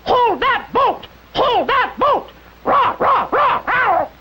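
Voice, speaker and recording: A shrill squawking parrot. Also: male voice, sing-song, slow pace, bright, forceful tone, a little hiss or hum, heavily acted, poor audio. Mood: cheering. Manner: repeats words like a parrot. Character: squawking pirate parrot sidekick.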